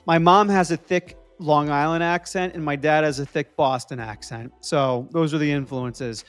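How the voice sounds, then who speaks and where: A young man from New Jersey hosts a casual live stream, thinking out loud as he works and answering viewers. His voice sits a little high for a man. Faint music plays quietly behind him. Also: fairly even intonation, normal speed, smooth. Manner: thinking aloud while coding, answering viewer chat.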